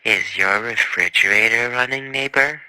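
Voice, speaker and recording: A man playing a polite but eerie puppet neighbor, talking slowly and deliberately in a deadpan way. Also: medium pitch, no echo, low-quality recording. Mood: playful deadpan. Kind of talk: puppet-show character acting.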